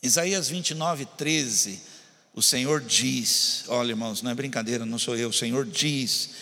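A man's voice: medium pitch, moderate pace, pushed and bright, in a large hall. A man preaching a sermon, talking straight to his congregation and building intensity. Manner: preaching with rising intensity, addressing the congregation directly. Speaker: pastor.

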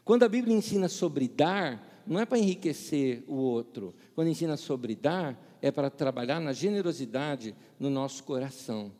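A man's voice: mid-range voice, lively intonation, moderate pace, hardly any pauses, warm tone, in a large hall. A middle-aged man from Brazil preaching a sermon, telling funny stories, acting out the dialogue and laughing at his own jokes. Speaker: pastor. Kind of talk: sermon with humorous anecdotes.

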